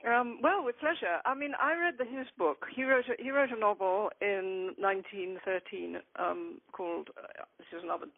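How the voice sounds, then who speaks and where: A woman's voice: medium pitch, normal speed. Older woman author on a tinny line. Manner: thoughtful, rambling, many ums. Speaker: author guest. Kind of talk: conversational interview.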